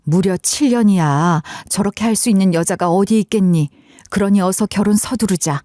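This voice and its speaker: A woman's voice: medium pitch, moderate pace, dark tone, no room sound, studio quality, lightly acted. A woman playing an older, motherly shop owner who speaks earnestly and scolds. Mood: pleading.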